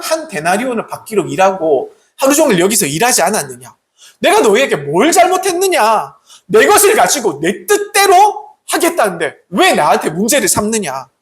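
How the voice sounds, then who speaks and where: A preacher voicing a generous landowner who calmly and gently rebukes his complaining workers. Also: medium pitch. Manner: measured, gently reproving. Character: calm generous vineyard owner answering workers. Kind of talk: sermon storytelling.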